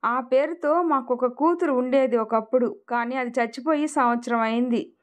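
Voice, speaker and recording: A woman's voice: high voice, moderate pace, natural voice. A woman voicing a bitter, angry middle-aged mother who speaks harshly and with scorn in an audio story. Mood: scornful.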